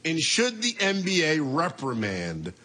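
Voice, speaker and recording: A young man in his twenties hosts a call-in sports talk show, bantering and laughing with callers. His voice is lively and bright, with a slightly husky edge. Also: a little high, a little slow. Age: 20s.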